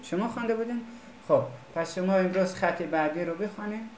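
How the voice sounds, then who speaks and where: A man teaching Quran recitation, patiently questioning and correcting his students. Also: sits high. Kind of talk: classroom teaching. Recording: echoey room with crowd noise.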